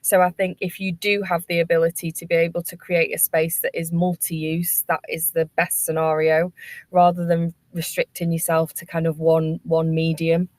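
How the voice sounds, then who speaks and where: A woman's voice: lowish voice, monotone, normal speed, a little mellow, dry recording. A woman workspace operator explaining her views as a webinar panellist.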